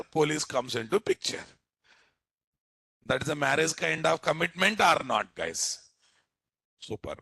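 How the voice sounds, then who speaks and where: A man's voice: fairly high pitch, creaky, bright, forceful tone, dry recording. A man with a Telugu Indian accent giving an informal technical lecture as a programming teacher, often putting check questions to his listeners. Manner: asks frequent rhetorical check questions.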